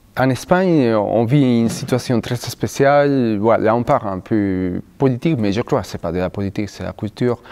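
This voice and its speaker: A man with a Spanish accent talks at a moderate pace with hardly any pauses, his medium-pitched voice dark and mellow in tone. His intonation is lively, and the recording is very clean with a silent background. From Spain. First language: Spanish (speaking French). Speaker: orchestra conductor. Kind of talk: interview. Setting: opera house. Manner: halting, many repetitions.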